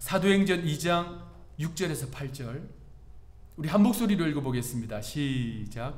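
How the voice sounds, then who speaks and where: Fairly high in pitch, a man talks with vocal fry and lively intonation. His pace is fairly slow, and audible room echo surrounds him. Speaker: pastor. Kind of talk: sermon.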